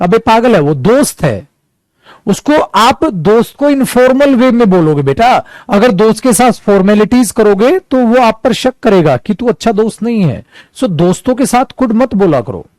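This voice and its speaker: A man's voice: high-pitched, darkish tone, no echo. A man teaching an online English lesson in a chatty way, calling his students "beta" and acting out examples. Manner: acts out examples.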